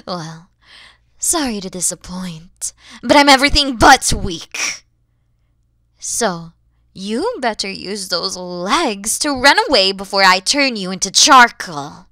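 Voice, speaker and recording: A woman's voice: mid-range voice, lively intonation, slow, sharp tone, no echo, exaggerated voice. A woman voicing a proud, wary, motherly female dragon in a theatrical, menacing ASMR roleplay, at times dropping into whispers. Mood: haughty, threatening. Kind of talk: ASMR audio roleplay acting.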